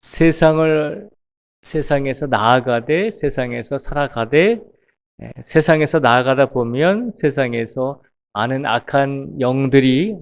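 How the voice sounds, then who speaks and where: Slow, deliberate male pastor preaching. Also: medium pitch, clear, resonant tone. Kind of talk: early-morning sermon.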